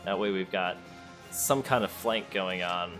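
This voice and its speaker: Over music, a man with a deep voice and measured delivery plays through a game as a let's play host. He thinks out loud, talks to the characters, and sometimes reads the game's text aloud in his casual commentary.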